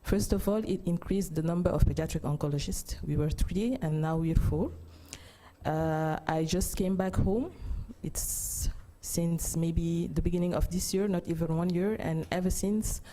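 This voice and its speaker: A woman's voice: lowish voice, a little slow, mellow. A woman of about thirty with a Senegalese, French-speaking accent gives a conference testimony, hesitantly searching for words. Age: 30s. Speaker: pediatric oncologist giving a testimony.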